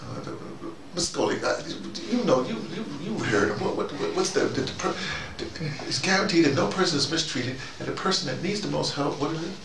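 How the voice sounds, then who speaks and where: A man in his fifties giving a rambling spoken talk to a small group, jumping between ideas and leaping up in pitch for emphasis. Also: animated, brisk, few pauses, crowd noise. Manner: digressive, with sudden rising emphasis. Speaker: commentator speaking to a small audience. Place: small room indoors. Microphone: far camera mic. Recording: roomy, distant, noisy.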